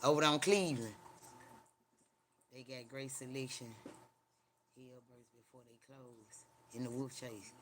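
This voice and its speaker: A man's voice: mid-range voice, slight background noise. A middle-aged man with a Southern African American Mississippi accent, chatting casually on a livestream in a rambling, blunt, profane country way. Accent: Southern African American English, Mississippi. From Mississippi, USA.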